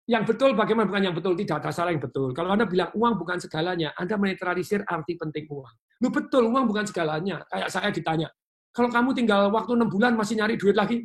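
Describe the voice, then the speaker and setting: High-voiced energetic male motivational speaker. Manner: energetic, playful, addresses audience directly. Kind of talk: motivational webinar talk. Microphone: webinar mic.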